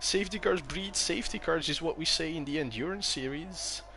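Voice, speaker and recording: A man doing live commentary on a sim race, his voice jumping up with excitement whenever the action picks up. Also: a little high, a little fast, a little hiss or hum.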